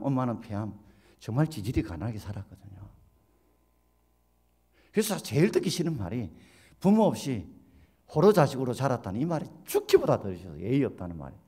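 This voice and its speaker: A man, preaching a sermon as pastor and telling stories with big swings in his voice. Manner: animated storytelling, acts out quoted voices with big pitch leaps.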